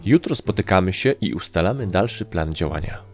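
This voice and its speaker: A man's voice: low voice, lively intonation, a little fast, gravelly, soft background music. Guy doing a bossy grumpy sprite boss, raised voice, snaps orders. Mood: commanding. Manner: commanding, impatient. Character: bossy sprite squad leader, easily irritated.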